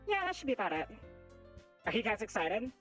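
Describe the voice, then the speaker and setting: A chirpy teenage club leader from a visual novel acted out by a man, high and lively. She talks quickly and encouragingly, sweetly bossing everyone along over game music. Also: heavily acted. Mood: upbeat. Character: cheery, bossy-sweet high school club president girl. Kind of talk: voicing visual novel dialogue on a stream.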